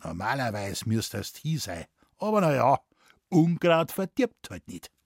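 A man voicing a rough, sharp-tongued village doctor with a Bavarian accent who talks bluntly and teasingly. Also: medium pitch, big pitch swings, measured pace, dry recording, studio quality. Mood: mocking.

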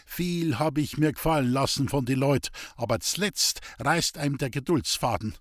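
A man's voice: mid-range voice, normal speed, no echo, studio quality, close to an everyday voice. A man voicing a weary, bitter old village woman speaking in Bavarian dialect in a storybook reading. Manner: plaintive, bitter, resigned.

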